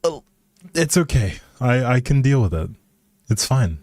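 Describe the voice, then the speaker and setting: A man's voice: mid-range voice, big pitch swings, measured pace, a little mellow, no room sound, studio quality. A man livestreaming a game with casual, playful, teasing chat to his viewers.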